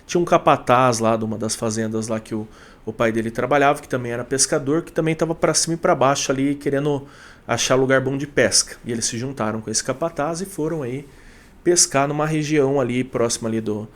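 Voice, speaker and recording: A man's voice: mid-range voice, a little fast. A man hosting a channel, telling supernatural fishing tales in a loose conversational way with many fillers and restarts. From Brazil. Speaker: storyteller host of a channel. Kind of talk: casual storytelling of supernatural tales.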